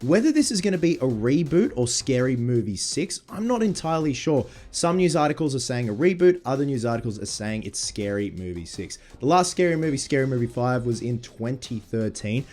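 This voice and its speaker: A man in his thirties talking casually to camera, with a husky, congested voice from a sinus infection. He sounds excitable and swears casually. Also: medium pitch, brisk, few pauses. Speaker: movie vlogger.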